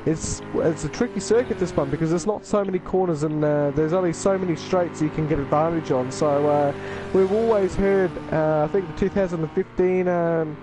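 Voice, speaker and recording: A man's voice: fairly high pitch, normal speed, noisy background. A man co-commentating a sim racing stream, analysing the cars with many fillers. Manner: rambling, filler-heavy analysis.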